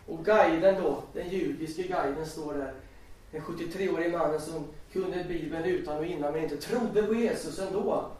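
A man's voice: a little high, hardly any pauses, a little mellow, slight background noise. A man preaching a sermon, telling a story and reciting scripture with rising emphasis. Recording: echoey hall, distant from mic.

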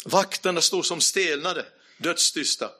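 A man preaching a sermon, telling a personal testimony and speaking to the congregation directly, dropping to a hush at tense moments and laughing lightly now and then. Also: a little high, animated, breathy edge. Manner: storytelling, addresses the audience directly; speaks in a hushed voice at dramatic moments.

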